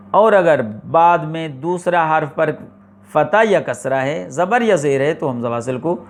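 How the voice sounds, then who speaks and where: Slow-explaining male religion teacher. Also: on the high side. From Pakistan. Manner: slow, deliberate explanation with repetition and rhetorical questions. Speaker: Quran recitation teacher. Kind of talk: religious classroom lecture.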